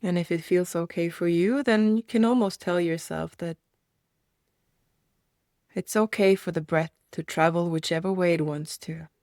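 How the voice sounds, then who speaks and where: A woman in a slightly low, steady voice talks listeners through a meditation, framing each step as a gentle invitation followed by a reflective pause. There's no room around the sound; it's entirely dry.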